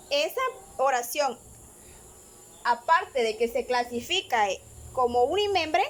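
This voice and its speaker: A woman teacher walks through a recorded grammar lesson in a high voice. She speaks slowly and patiently, with filler pauses, and keeps checking that her listeners are following. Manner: patient, explains step by step, checks in with frequent tags.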